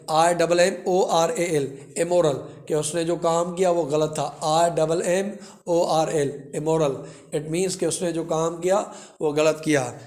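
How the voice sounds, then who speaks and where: A man with a Pakistani accent teaching vocabulary in a classroom lecture style, repeating words and spelling them out. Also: a little high. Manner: repetitive, spells words out letter by letter.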